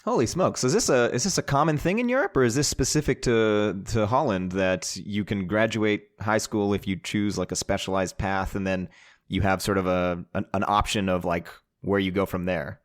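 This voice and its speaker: A male podcast host with a somewhat low voice. He talks in a loose, enthusiastic way, full of fillers and quick follow-up questions. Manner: chatty and enthusiastic, many fillers. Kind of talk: casual podcast chat.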